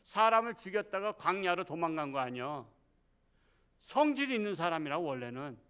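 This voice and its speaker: A middle-aged male pastor preaches a Wednesday service in a church, his voice pitched high and sounding bright. He talks with the congregation in a loose, conversational way, firing rhetorical questions and acting out the speech he quotes. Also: big pitch swings, moderate pace, clean tone. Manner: acts out quoted speech in the sermon. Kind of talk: Wednesday evening sermon. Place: church sanctuary.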